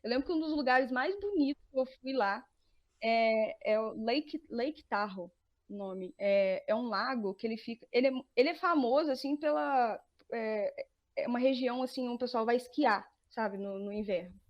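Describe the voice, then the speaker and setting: Young brazilian woman on a podcast, high voice, lots of laughs and fillers. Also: moderate pace, lo-fi sound. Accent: Brazilian Portuguese. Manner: chatty, laughs often, many fillers and restarts. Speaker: podcast guest. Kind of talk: casual interview chat.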